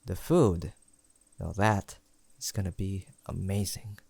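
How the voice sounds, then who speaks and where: A man acting an affectionate young best friend in an intimate audio roleplay. His voice sits fairly low and is recorded close and dry. He chats gently and sincerely, with a playful, teasing streak. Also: steady tone, takes it slowly, creaky, husky, dry recording, exaggerated voice. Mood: amused, chatty. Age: young adult.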